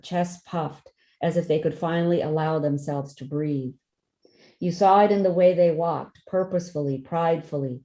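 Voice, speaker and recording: A woman author reading aloud from a novel in an expressive narrative style. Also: low-pitched, low-quality recording.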